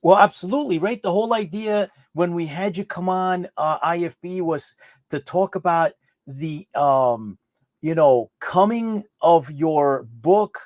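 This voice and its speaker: A chatty man hosts a live online interview show. His voice sits a little high, and the sound is close and dry with no room echo. He often repeats words and restarts his sentences. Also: measured pace, darkish tone. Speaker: host.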